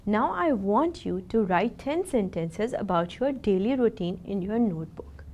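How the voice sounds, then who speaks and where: Female teacher, scripted lesson, careful deliberate delivery. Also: mid-range voice, expressive, mellow. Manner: slow, careful, sounding out words.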